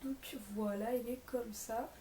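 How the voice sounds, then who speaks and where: Presenting her shopping haul, a young vlogger talks to camera in a loose, rambling way, often correcting herself. Her voice is on the high side and mellow, steady in tone and measured in pace, though a little off because she's mildly sick. There's room echo and slight background noise.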